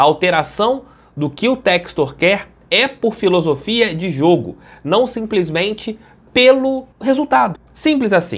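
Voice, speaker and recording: His tone is animated, with very wide pitch swings. The man's voice sits at a high pitch. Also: fairly slow pace. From Brazil. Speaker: football channel host. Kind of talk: casual commentary vlog. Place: home room.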